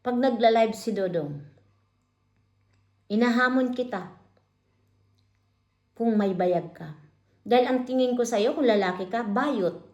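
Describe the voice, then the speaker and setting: Slow, confrontational woman in an echoey room. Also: on the high side, darkish tone. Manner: challenging, repeatedly questions a critic directly. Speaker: online commentary host. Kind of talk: confrontational live commentary.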